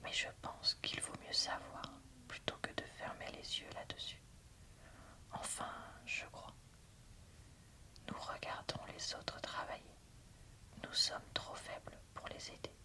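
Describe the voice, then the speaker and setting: A woman reads a novel aloud in an ASMR whisper. Her delivery is very unhurried and deliberate, with a sharp, very bright edge to the hushed sound. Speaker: booktuber reading a novel aloud and reviewing it. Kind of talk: ASMR whispered book reading.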